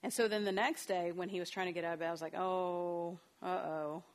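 A woman's voice: lowish voice, rapid-fire. A woman counselor giving a talk on parenting, conversational and storytelling, with fillers and asides. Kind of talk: parenting talk with personal anecdotes.

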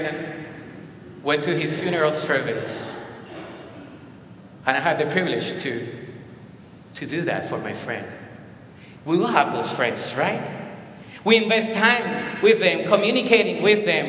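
A man with a Colombian accent preaching a sermon in an animated way, with emphatic repetitions. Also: high voice, a little hiss or hum. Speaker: pastor. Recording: echoey hall with long reverb.

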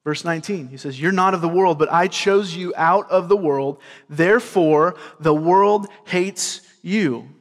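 A man in his thirties with a Southern US accent, preaching a sermon in an earnest, conversational way, often checking in with a quick "right?". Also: high voice. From grew up in California and Georgia. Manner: earnest, repeats words, asks the crowd "right?". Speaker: pastor. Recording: long hall reverb.

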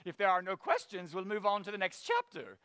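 A man voicing a grown-up schoolteacher with a polite, measured manner. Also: high voice, huge pitch swings, bright, forceful tone, pitched above the performer's own voice, exaggerated voice. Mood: patient.

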